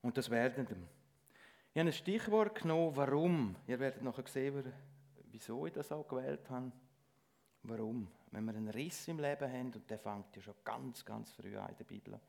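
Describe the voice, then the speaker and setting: A middle-aged man delivers a sermon in church. He speaks earnestly and haltingly, often breaking off and restarting his sentences. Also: medium pitch, gravelly, a little mellow. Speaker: lay preacher.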